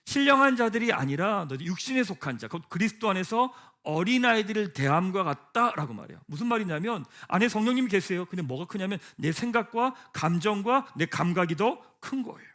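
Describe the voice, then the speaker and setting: A man preaches in a church sanctuary with a high, very animated voice. He drops to a hush, then builds to emphatic peaks, firing rhetorical questions at the congregation. He leads them in reading scripture aloud together. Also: fairly quick, hardly any pauses. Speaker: pastor. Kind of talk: sermon.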